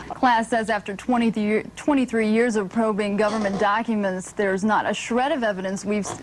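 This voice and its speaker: A woman with an American accent reading a scripted local newscast in a measured, formal anchor's delivery. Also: a little high, rough recording. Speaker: TV news anchor. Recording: old TV broadcast with background noise.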